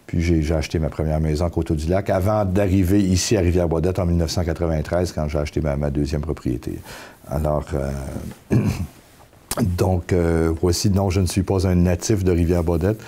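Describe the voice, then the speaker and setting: Low-voiced middle-aged Quebec man, mellow. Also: steady tone, moderate pace, breathy edge. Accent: Quebec French. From Canada (Quebec), Belgian-born. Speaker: town mayor being interviewed. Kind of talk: conversational interview answers. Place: council room.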